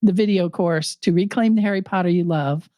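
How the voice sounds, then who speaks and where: A woman co-hosts a podcast in easy, earnest conversation, laughing now and then. Her voice is mellow and a little raspy. The sound is dry and close. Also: on the low side, a little fast, dry recording. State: slightly raspy voice. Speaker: podcast co-host. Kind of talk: casual podcast chat.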